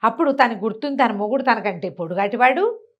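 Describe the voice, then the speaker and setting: Female storyteller, higher register, informal and chatty, narrating a village tale with acted-out quotes. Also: expressive, brisk. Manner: chatty, colloquial, acts out villagers' quoted remarks. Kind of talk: conversational oral storytelling of a folk tale.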